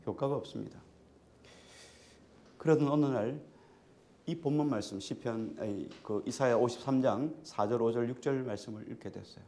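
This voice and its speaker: Male pastor, mid-pitched voice, preaches conversationally and questions the pews. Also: moderate pace, pauses often, mellow. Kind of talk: sermon.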